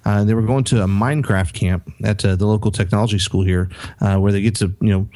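A man's voice: on the low side, fairly even intonation, quick pace, darkish tone. A middle-aged man on a podcast, casually telling a story with many restarts and acted-out quotes. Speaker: podcast co-host.

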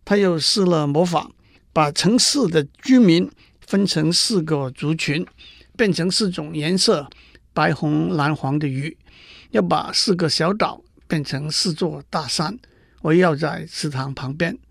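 A sorrowful young prince from a storybook fable, cursed and half turned to stone, as a man reads him aloud. The voice sits high and has a gravelly edge, and it sounds close and dry. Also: measured pace, no room sound. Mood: grieving.

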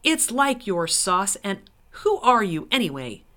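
A woman's voice: medium pitch, very animated, unhurried, sharp tone. A woman voicing a surly, stubborn male dwarf in a storybook reading, scornful and scolding in manner. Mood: angry, blustering. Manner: scolding, blustering, colloquial. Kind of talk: dramatic novel reading.

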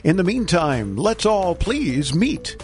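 A man's voice: high-pitched, big pitch swings, slow, over music. A man hosting a radio tech show, chatty and joking as he answers questions. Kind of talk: casual radio talk.

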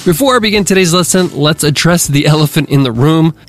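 Hosting a business podcast lesson, a man with a voice on the high side speaks briskly, sounding nasal and congested from a cold. He's upbeat and motivational, addressing his listeners directly, with faint music in the background.

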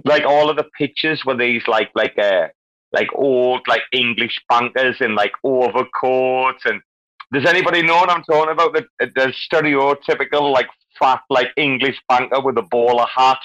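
Bright-voiced man hosting a chat, muffled. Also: medium pitch, moderate pace. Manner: rambling, excitable, swears casually. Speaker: host of a live audio chat room. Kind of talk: casual group chat. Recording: muffled lo-fi line.

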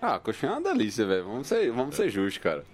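A man talks quickly in casual chat. His pitch swings with animation, and his manner is slangy and joking. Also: huge pitch swings.

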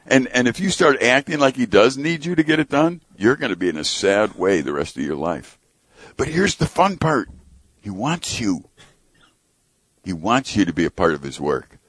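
A man speaking as a guest on a Christian radio program, earnest and animated, acting out quotes as he tells stories. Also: mid-range voice, moderate pace, husky, no echo. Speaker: ministry president and radio guest. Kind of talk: casual Christian radio conversation.

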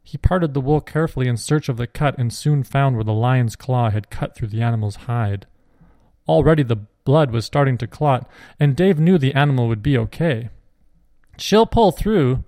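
Male storyteller, mid-pitched, steady clear reading, dry close sound. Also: dry recording. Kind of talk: reading a Christian children's story aloud.

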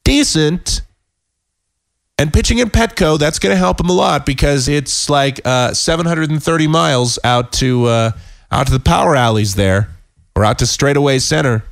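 A man hosting a casual sports podcast, hoarse and sick with a cold, talking in a rambling, self-deprecating way with many halting restarts. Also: fairly high pitch, no room sound. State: hoarse, losing his voice. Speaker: podcast host.

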